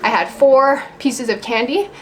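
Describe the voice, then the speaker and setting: Indoors at home, a woman talks casually to her camera for a vlog, her high voice moving a little slowly. The audio is poor, with light ambient background noise.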